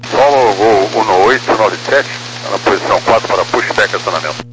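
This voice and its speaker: Male pilot over the radio, deep voice, procedural readbacks through clear hum and static. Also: fairly quick. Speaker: airline pilot. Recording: noisy humming aviation radio.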